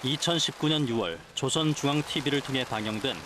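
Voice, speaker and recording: A man's voice: mid-range voice, brisk, noisy background. A man reading scripted narration for a TV news feature. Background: loud music.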